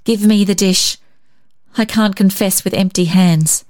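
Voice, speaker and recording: A woman's voice: mid-range voice, steady tone, a little slow, darkish tone, natural voice. A woman voicing a forthright, proud village aunt humbly confessing, in a storybook reading. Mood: remorseful.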